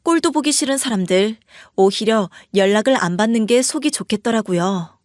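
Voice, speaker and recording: A woman's voice: a little high, lively intonation, moderate pace, no echo, studio quality. A woman narrating a scripted first-person story in a confiding way.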